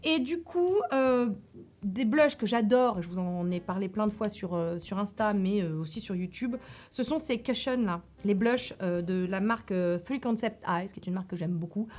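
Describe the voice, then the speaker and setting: A woman's voice: mid-range voice, moderate pace, darkish tone. A woman chatting casually on her beauty channel, enthusiastic, with many fillers and restarts. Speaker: beauty YouTuber. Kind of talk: casual product review chat.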